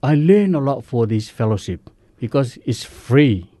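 A man from Samoa with a Samoan accent tells his story in earnest, halting English, the grammar simple and searching. His voice is mellow and dark, and the recording is close and dry. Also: medium pitch, big pitch swings, no echo. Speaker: guest sharing recovery story. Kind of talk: radio interview.

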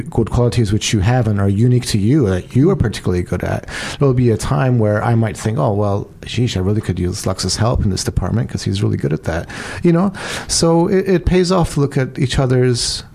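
A man's voice: lowish voice, fairly quick, vocal fry, hardly any pauses, a little mellow. A middle-aged man co-hosting a community radio chat, reflective and thoughtful, full of fillers and restarts. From born in Brazil, raised abroad. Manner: reflective, talks in analogies with many fillers and restarts.

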